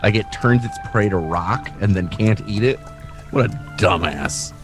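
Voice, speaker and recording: A man's voice: fairly low pitch, unhurried, soft background music. A man playing a tabletop game, casually chatting and describing what his character does.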